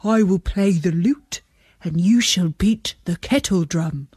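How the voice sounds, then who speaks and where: A woman voicing an old runaway donkey in a children's story, eager to be a musician, with a hearty, drawn-out delivery. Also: fairly low pitch, warm tone, breathy edge, dry recording, clean studio sound. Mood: hearty, encouraging.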